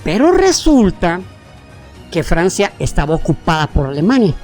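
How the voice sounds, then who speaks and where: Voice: mid-range voice, moderate pace, faint music behind. A podcast co-host with a Mexican Spanish accent who tells history casually, with lots of slang, restarts and fillers. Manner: animated, rambling, slangy with many restarts and fillers.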